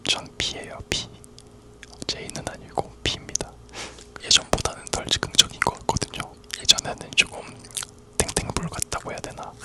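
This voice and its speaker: A person whispering a casual, rambling ASMR chat in a soft, unvoiced whisper. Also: normal speed. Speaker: ASMR video creator.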